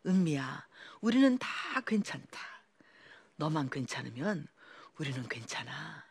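A woman voicing her gentle elderly mother-in-law, speaking softly and quietly to reassure her son and daughter-in-law. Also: low voice, big pitch swings, measured pace, creaky, husky, no echo, voice pushed down, heavily acted. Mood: soothing.

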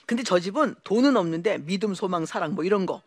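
A Korean-born woman giving an emotional personal testimony to an audience, telling her story in an animated way and acting out the voices of the people in it. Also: mid-range voice, quick pace, husky, dry recording, clean studio sound.

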